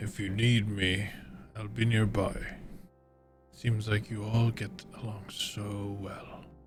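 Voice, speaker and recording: In a put-on character voice with a menacing tone, the speaker goes at a fairly slow pace with monotone, flat intonation and long, frequent pauses over faint music in the background. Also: man, fairly low pitch for a man. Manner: ominous, menacing.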